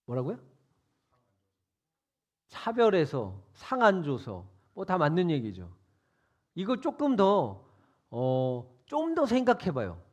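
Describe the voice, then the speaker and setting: A man's voice: on the high side, huge pitch swings, slow, long pauses. A man preaching to teenagers as youth pastor in a casual, conversational way, quizzing his listeners and prompting them to repeat after him. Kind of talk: interactive youth sermon. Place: church sanctuary.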